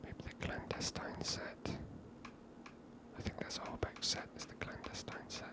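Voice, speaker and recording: A host giving casual, hushed and unhurried ASMR commentary on a game in a whisper.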